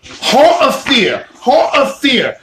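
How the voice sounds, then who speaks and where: A man doing a loud, boisterous comedic sales pitch as a mock shopping channel host. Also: wildly swooping pitch, slow. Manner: loud, boisterous, hyped, shouting. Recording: echoey room with loud background noise.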